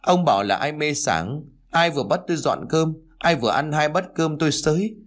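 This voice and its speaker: A man voicing an exasperated elderly village wife who scolds her forgetful husband in rapid bursts of complaint. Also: medium pitch, lively intonation, close to an everyday voice. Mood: angry scolding. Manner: nagging, rapid-fire complaining.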